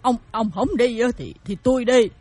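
A woman's voice: a little high, expressive, moderate pace, a little mellow, slightly rough, no room sound, soft background music. A woman playing a grieving older mother in a radio drama who pleads insistently with her husband. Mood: pleading.

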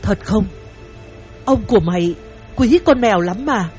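A man's voice: high-pitched, lively intonation, a little slow, a little mellow, faint music behind, pitched above the performer's own voice. A man voicing an anxious older wife who stammers as she calls for her missing husband. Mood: worried. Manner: worried, calling out, stammering.

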